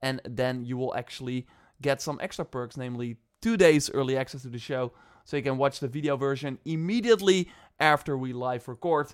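Here is a man with an unremarkable speaking voice, fairly high in pitch and fairly quick in pace. The recording is very clean, with a silent background. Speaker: podcast host. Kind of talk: casual chat. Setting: live-streamed recording.

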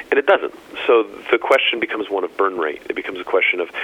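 A man talks over noticeable background noise. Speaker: author and herbalist. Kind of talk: interview. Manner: casual, uses fillers.

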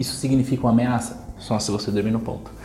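At a fairly quick pace, a man with a medium pitch speaks amid noticeable background noise and audible room echo. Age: 30s. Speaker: finance podcast host. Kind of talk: solo podcast monologue. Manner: animated.

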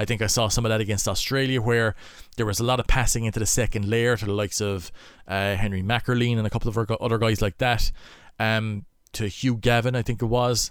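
A man with an Irish accent, medium pitch and flat, monotone intonation, at a very fast pace in a very clean recording with a silent background. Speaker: rugby podcaster. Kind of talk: solo listener-mail podcast. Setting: recording at a caravan park.

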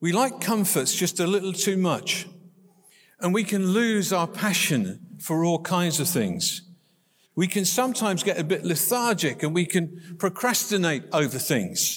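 With an English accent, a man speaks fairly slowly in a high voice, his loudness very even and his pitch varying an ordinary amount. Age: 60s. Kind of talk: sermon. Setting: church.

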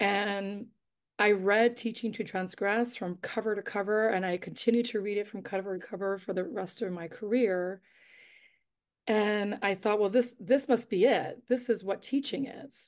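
In an American accent, a woman with a plain, everyday voice speaks at a moderate pace and medium pitch, with fairly even intonation and a quiet background. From Long Island, New York. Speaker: teacher and doctoral candidate. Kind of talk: panel discussion. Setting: video call.

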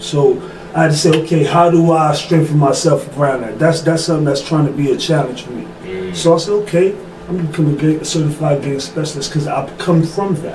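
Behind noticeable background noise, a man with an American accent talks at a fairly quick pace. His fairly high pitch varies in an ordinary way. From New York City. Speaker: community outreach worker. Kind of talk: casual panel discussion.

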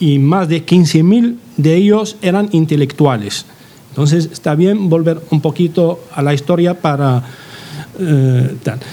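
A man talks at a very slow pace with ordinary pitch variation, over noticeable background noise. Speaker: political activist. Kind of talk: panel talk.

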